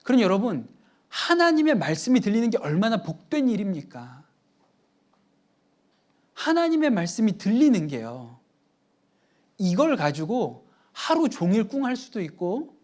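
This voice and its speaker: A male pastor preaching in a loose, storytelling way, and his pitch swings widely as he talks. He keeps the congregation close with quick, chatty asides. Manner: animated, chatty anecdotes with audience asides. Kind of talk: conversational sermon storytelling.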